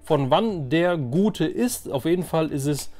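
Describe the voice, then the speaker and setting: A man's voice: on the high side, expressive, a little slow, a little mellow. A man chatting casually and enthusiastically to viewers as he hosts a collecting video, often repeating words for emphasis. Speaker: host of a toy collecting video channel.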